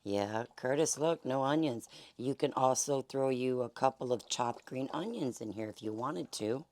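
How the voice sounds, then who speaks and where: A woman host with a Southern accent and a hoarse, fading voice, chatting folksily through a home cooking demonstration. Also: a bass voice, moderate pace, darkish tone. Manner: chatty, folksy, many fillers. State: hoarse, losing her voice. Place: home kitchen.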